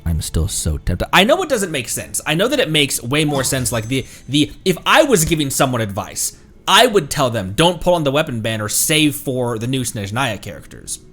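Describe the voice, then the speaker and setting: A male streamer with an average-pitched, very lively voice gives casual game commentary. He chats and thinks aloud, with faint music behind him. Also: normal speed, slightly rough.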